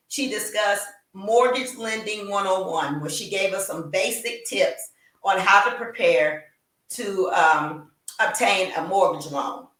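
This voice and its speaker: A woman's voice: on the low side, a bit bright. A middle-aged woman hosting a talk show, chatting casually with frequent fillers and restarts. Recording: roomy echo, distant from mic.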